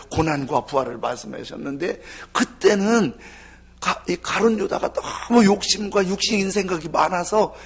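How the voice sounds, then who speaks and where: A male pastor preaching a sermon with animated delivery that drops into soft, half-whispered asides. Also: high-pitched, slightly rough.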